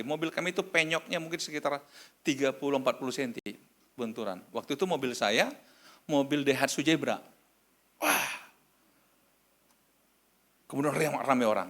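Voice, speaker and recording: Animated bright-voiced male pastor. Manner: animated storytelling, acting out voices, sudden high exclamations. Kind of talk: sermon.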